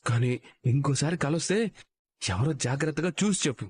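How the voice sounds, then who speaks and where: An actor playing a gullible superstitious young husband in a TV serial, complaining fretfully. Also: male voice, a little high, brisk, a little mellow, breathy edge, dry recording. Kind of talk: TV serial acting.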